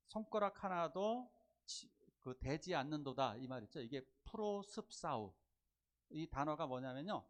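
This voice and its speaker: Male pastor, slightly high and very animated delivery, sermon with acted asides. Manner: animated, acts out quoted voices, asks the congregation questions. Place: church sanctuary.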